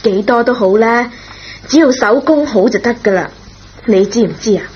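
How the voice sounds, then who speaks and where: Patient, gentle schoolteacher, lo-fi. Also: female voice, fairly high pitch, slightly rough. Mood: friendly, instructing. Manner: gentle, measured, reassuring. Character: kind, forgiving, patient female schoolteacher, a parent. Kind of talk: Cantonese radio drama acting. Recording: dull, noisy old radio recording.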